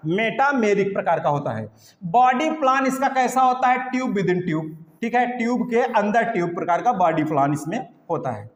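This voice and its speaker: A man teaching biology in a classroom lecture, mixing Hindi with English terms, asking and answering his own questions and repeating key points slowly. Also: extremely high pitch. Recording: echoey room with long reverb.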